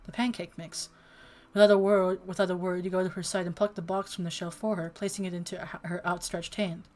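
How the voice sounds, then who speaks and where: Expressive, playfully dramatic woman streamer. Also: fairly low pitch, a little fast. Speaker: streamer playing a dating sim. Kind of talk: livestream chat and game read-aloud.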